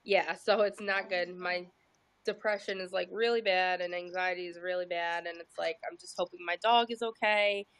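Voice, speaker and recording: A woman's voice: fairly low pitch, fairly even intonation, normal speed, a bit bright, dry recording. A woman calling in on a video call, talking hesitantly with many ums and nervous laughs. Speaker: guest caller.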